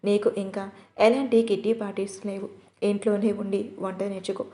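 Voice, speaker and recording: A woman voicing a firm but caring young wife who lays down rules sternly and comforts her husband softly. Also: medium pitch, level tone, moderate pace, close to an everyday voice. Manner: stern, then soothing.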